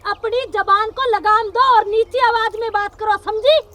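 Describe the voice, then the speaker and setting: Actress as an older rural headwoman mother-in-law, domineering and scolding, very high-pitched. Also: fairly even intonation, measured pace, bright, forceful tone, full character voice.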